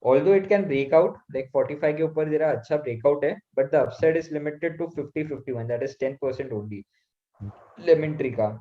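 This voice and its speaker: Man, measured slow delivery, explaining charts, dull lo-fi call audio. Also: a little high. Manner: explanatory, mixes Hindi and English. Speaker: stock market analyst. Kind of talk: live webinar chart analysis.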